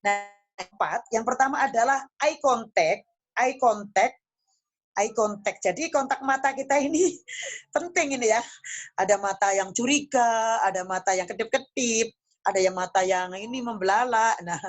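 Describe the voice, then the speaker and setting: A woman's voice: fairly high pitch, a little slow. Chatty woman lecturing over a phone. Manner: chatty, emphatic, tags phrases with "loh ya". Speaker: guest lecturer. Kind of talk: online class lecture to teachers.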